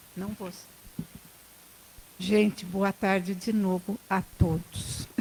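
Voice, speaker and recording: Very slow speech from a woman, medium in pitch, with monotone, flat intonation. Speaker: spiritist lecturer. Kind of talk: lecture.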